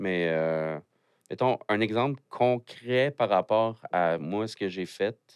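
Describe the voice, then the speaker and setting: A man speaks at a very slow pace. The sound is dry and close with no echo, over a quiet background. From Quebec, Sorel-Tracy area. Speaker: musician and record producer. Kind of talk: casual interview. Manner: slow, pausing often.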